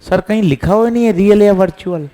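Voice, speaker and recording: A man's voice: high-pitched, brisk, warm tone, a faint crowd, natural voice. A man voicing a cheeky teenage boy student who pleads and keeps insisting, sir. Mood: pleading.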